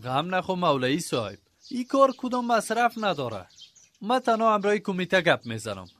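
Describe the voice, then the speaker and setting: An actor playing an enthusiastic, encouraging village organiser in a radio drama, eager and full of praise, with an Afghan accent. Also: male voice, sits high, very animated, a bit bright.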